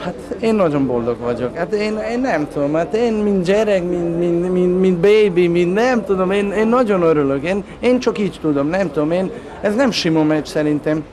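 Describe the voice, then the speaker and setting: Foreign-accented non-native male interviewee, high voice, halting and repetitive, crowd around him. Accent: foreign accent in Hungarian. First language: not Hungarian. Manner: halting, repetitive broken speech. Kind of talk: spontaneous excited interview.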